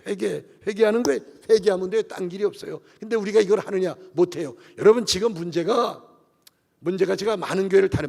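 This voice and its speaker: Gravelly, high-voiced man preaching in a church. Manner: impassioned preaching, swings from loud cries to hushed lines. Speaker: pastor. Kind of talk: sermon. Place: church sanctuary. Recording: church hall with long reverb.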